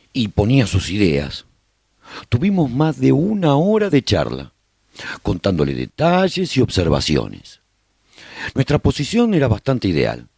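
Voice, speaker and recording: A man narrating a radio drama as an earnest, resolute survivor chronicling his colony in a solemn, deliberate way. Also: mid-range voice, a little mellow, husky, dry recording, clean studio sound, heavily acted.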